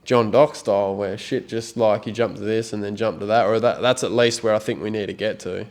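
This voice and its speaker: A man's voice: on the low side, fairly even intonation, fairly quick, darkish tone. An Australian man co-hosting a podcast in casual chat, laid-back, sweary and full of slang. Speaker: podcast co-host.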